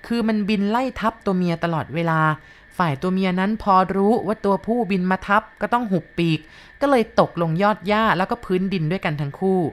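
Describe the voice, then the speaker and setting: A woman calmly narrating a first-person story as an audiobook reader, in a measured storytelling manner. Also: lowish voice.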